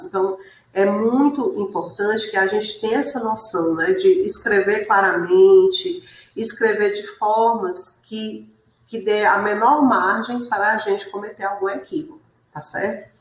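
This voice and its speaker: A woman teacher giving an online class lecture, explaining patiently and often checking in with tag questions. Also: a little high. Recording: roomy echo.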